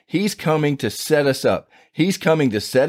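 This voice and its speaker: On a very clean recording with a silent background and a dry, close sound with no echo, a man with an ordinary speaking voice talks at a moderate pace, his fairly high pitch carried by lively intonation. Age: 50s. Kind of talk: Bible teaching monologue. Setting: solo recording, screen share without camera. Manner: earnest, preacherly.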